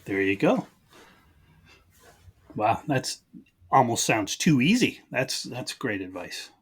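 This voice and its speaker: Husky male podcast host, lively intonation. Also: mid-range voice, slow pace. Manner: affirming, short interjections and follow-up questions. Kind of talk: casual interview chat.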